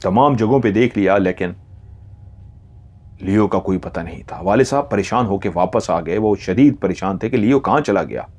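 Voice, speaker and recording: A man narrating a horror story in a slow, hushed, dramatic way. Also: on the low side, animated.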